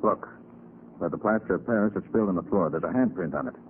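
An actor playing a brisk, commanding master detective in a 1940s radio drama, speaking in a clipped, authoritative manner. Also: male voice, sits low, lightly acted. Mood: deductive. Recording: scratchy, tinny 1940s radio recording.

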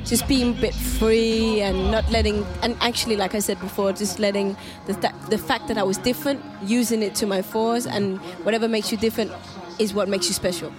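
A woman's voice: medium pitch, steady tone, fairly quick, hardly any pauses. A young woman from Denmark, a singer-songwriter, chatting giggly and loose with lots of fillers in an interview. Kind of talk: casual interview chat. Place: music festival, outdoors. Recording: live festival radio, loud music behind. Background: stage music playing.

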